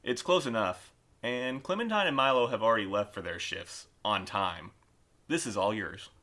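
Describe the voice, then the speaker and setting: A man's voice: on the low side, lively intonation, moderate pace, bright, forceful tone. A man playing a stern, long-suffering post office boss in an audio drama, speaking curtly. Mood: curt, weary.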